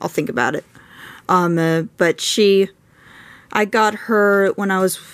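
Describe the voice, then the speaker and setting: A woman's fairly slow pace with fairly even intonation. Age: 20s. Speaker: YouTuber. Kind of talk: casual show-and-tell. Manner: halting, many fillers. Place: home room. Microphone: phone near.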